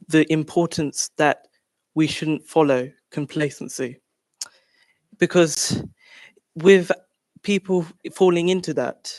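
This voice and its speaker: Slow, solemn man with a higher voice. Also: no room sound. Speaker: speaker at a commemorative event. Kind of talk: prepared reflective speech.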